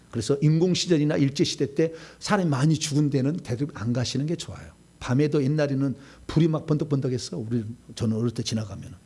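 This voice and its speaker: Male pastor, middle-aged, husky, lively pitch, sermon delivery with loud bursts and soft asides. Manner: animated preaching with sudden loud bursts and quiet asides.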